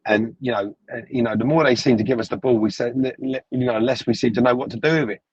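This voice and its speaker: A man leaving a casual voice message, halting and full of "you know" fillers, recorded as a phone voice note. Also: mid-range voice, fairly even intonation, slightly rough, dry recording, dull audio.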